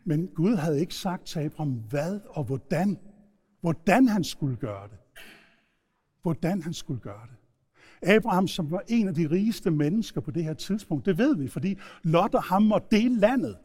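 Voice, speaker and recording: High-voiced man preaching in a hall. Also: breathy edge. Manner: storytelling, animated retelling with shouted quotes. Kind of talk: sermon. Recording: long hall reverb.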